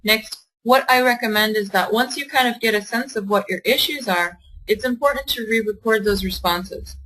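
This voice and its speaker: Bright-voiced woman teaching a class. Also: a little high, moderate pace, rough recording. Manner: encouraging, asks the class questions and reads out their answers. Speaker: test prep tutor.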